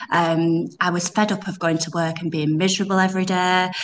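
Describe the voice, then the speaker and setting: With a Yorkshire accent, a woman speaks at a medium pitch. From West Yorkshire, England. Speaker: brand founder. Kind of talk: casual interview chat. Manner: excited, enthusiastic.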